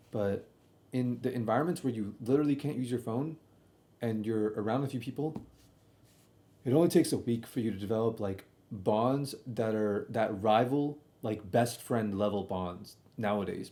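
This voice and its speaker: A man's voice: lowish voice, warm tone. A young man telling a casual, slangy stream story, often doubling back and repeating himself as he comments on old videos.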